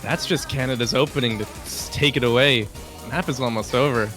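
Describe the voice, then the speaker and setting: A man doing play-by-play commentary on a game tournament, relaxed and calling plays in short bursts. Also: medium pitch, fairly quick. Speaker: esports commentator. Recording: game music playing underneath.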